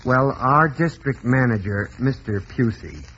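An actor playing a polite, hesitant insurance agent in a 1940s radio drama. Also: male voice, medium pitch, animated, a little slow, a bit bright, slight background noise. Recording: dull old radio broadcast.

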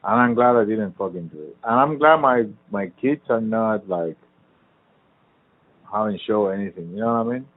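A man in casual chat, talking in a profane, animated rant that trails off and picks back up. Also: on the low side, moderate pace. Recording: tinny phone-like sound.

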